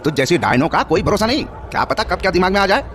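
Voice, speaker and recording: A man's voice: high-pitched, expressive, fast, a bit bright. An actor playing a self-righteous village man in a horror audio drama, harsh and accusatory in his scolding. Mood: angry accusing. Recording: noisy crowd and street ambience behind.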